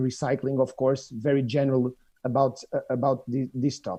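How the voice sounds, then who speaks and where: A man's dark, mellow tone with a Portuguese accent, over a quiet background. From Portugal. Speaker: head of a recycling organization. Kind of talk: presentation. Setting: video call webinar. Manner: halting, many repetitions.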